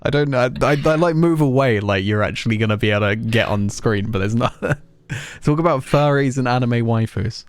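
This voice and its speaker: A man's voice: mid-range voice, fairly quick, hardly any pauses. A man casually chatting and joking while live-streaming a game. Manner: playful, rambling, teasing chat. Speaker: gaming streamer.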